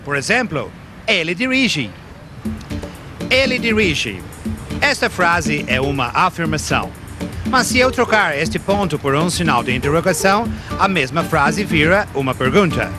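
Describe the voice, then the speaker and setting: A man with a Brazilian Portuguese accent presenting a scripted TV English lesson, stressing each example clearly. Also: fairly high pitch, big pitch swings, normal speed. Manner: didactic, emphatic on examples. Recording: music bed underneath.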